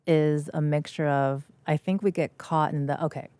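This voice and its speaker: A woman hosting a public radio interview in the studio, measured and attentive as she asks her questions. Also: sits low, steady tone, mellow, clear, resonant tone, dry recording. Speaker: radio host.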